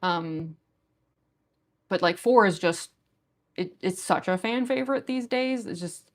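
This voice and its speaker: A young woman livestream artist rambles casually with her viewers, her speech full of fillers. Her gruff, smoker-like voice is fairly low and going hoarse as she loses it, yet her intonation stays lively at a slightly slow pace.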